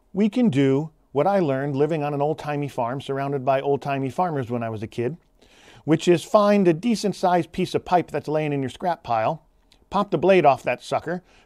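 Over a quiet background, a man talks fairly quickly, his pitch varying in an ordinary way. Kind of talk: casual tutorial talk to camera. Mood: wry, humorous storytelling. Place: workshop. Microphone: phone near.

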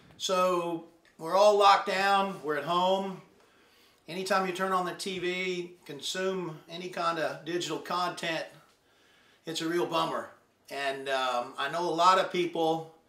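Audible room echo surrounds a man speaking at a high pitch with fairly even intonation. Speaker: golf show host. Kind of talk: show host introduction. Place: home room.

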